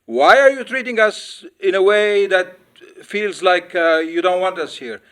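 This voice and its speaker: A man's voice: high-pitched, a little slow, fairly bright tone, clear, resonant tone. A man who owns a winery, speaking during public comment at a town board meeting in an exasperated, pleading and scolding way, at a podium microphone in a town hall meeting room.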